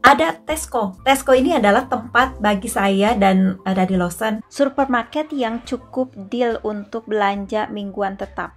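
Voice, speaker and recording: Chatty Indonesian woman vlogging at home. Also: mid-range voice. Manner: chatty, friendly, addresses viewers directly. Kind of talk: casual vlog talk to camera. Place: living room at home, indoors.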